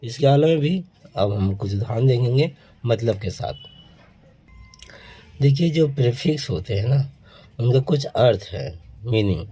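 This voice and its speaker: Man, teacher, unhurried delivery, low mellow voice, steps through word lists. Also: animated, slightly rough, poor audio. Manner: slow, listing word pairs one by one. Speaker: English teacher. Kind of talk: explaining word formation to students.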